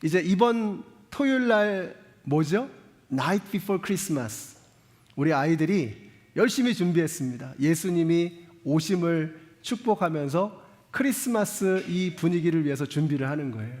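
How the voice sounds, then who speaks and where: A man's voice: fairly high pitch, animated, unhurried, darkish tone. A male pastor preaching a sermon, talking straight to his congregation with frequent questions and earnest appeals. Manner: earnest, exhorting. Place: church sanctuary. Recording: long church reverb.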